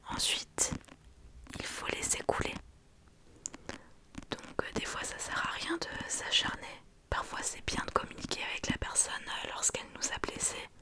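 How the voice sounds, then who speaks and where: An ASMR creator, a woman, speaks in a soft, unvoiced library whisper during a book talk, explaining things hesitantly with pauses.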